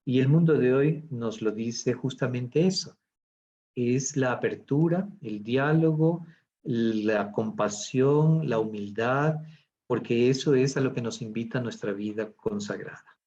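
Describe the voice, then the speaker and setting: A man giving a measured, reflective talk at a theology conference, answering comments. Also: mid-range voice, mellow, lo-fi sound.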